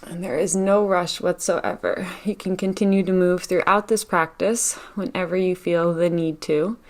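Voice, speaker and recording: A woman leading a guided meditation in a gentle, unhurried manner, leaving long pauses between phrases. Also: on the low side, steady tone. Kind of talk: guided meditation, live session.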